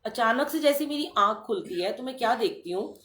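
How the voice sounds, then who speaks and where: A woman's voice: a little high, expressive, brisk, fairly bright tone, echoey room, slight background noise. A middle-aged woman speaking at a satsang, telling a devotional story to the congregation and acting out the people she quotes.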